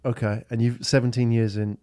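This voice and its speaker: Man, podcast host, mellow warm tone, dry close sound, casual probing questions. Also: medium pitch, level tone, a little fast, no echo. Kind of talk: conversational interview.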